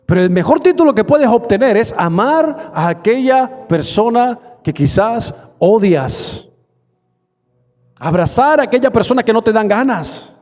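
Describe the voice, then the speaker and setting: A male pastor preaching a sermon in a church, moving between quick bursts and slow, drawn-out emphasis, and acting out prayers and the voices of imagined listeners. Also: sits high, animated, a little mellow, big-room sound.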